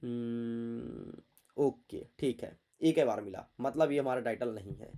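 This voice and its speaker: A man's voice: mid-range voice, normal speed, warm tone. Chatty playful male teacher. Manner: chatty, playful, addresses students directly; mutters to himself while searching. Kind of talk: exam prep lesson.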